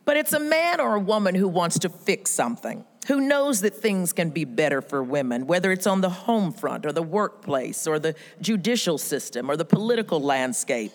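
A woman's voice: lowish voice, very animated, normal speed, few pauses. A woman speaking in a big hall. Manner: emphatic, storytelling, swoops up for quoted voices. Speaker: speaker at a women's event. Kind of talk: motivational speech. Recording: reverberant hall.

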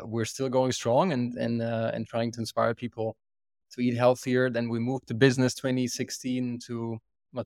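A man with a German accent speaks as an interview guest, earnest and often restarting his sentences. His voice sits at a middling pitch. The sound is dry and close, with no room echo. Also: a little mellow, clean tone. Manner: earnest, many restarts and repeated words. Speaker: guest, company co-founder and CEO. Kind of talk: casual interview chat.

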